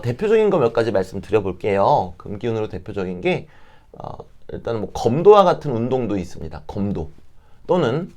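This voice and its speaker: A man with a slightly hoarse, catching throat, explaining things politely and informally as an advisor speaking to parents. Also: medium pitch, a little mellow. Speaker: fortune-telling advisor, channel host. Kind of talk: informal explanatory talk to camera.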